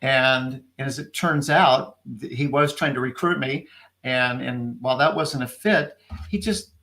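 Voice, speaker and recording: Upbeat guy hosting an interview, bright tense voice, keeps encouraging the guest. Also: medium pitch, unhurried. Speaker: host.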